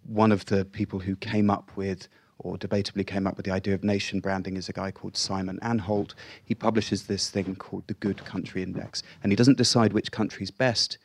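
A man with a fairly low voice speaks as a panelist, measured and persuasive, stacking points in rhythmic lists. The sound is close and dry. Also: level tone, dry recording. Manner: measured, persuasive, list-like rhetoric. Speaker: panelist, magazine editor. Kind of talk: panel discussion.

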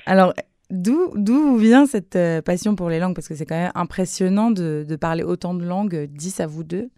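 A woman hosting a radio interview, asking clear, measured questions. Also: lowish voice, mellow, dry recording, clean studio sound. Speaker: radio host.

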